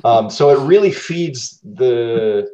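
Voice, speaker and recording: A man speaking as a guest voice actor in a reflective interview, halting and thoughtful, repeating words as he searches for the next phrase. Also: medium pitch, lively intonation, dark tone, reverberant, highs cut off.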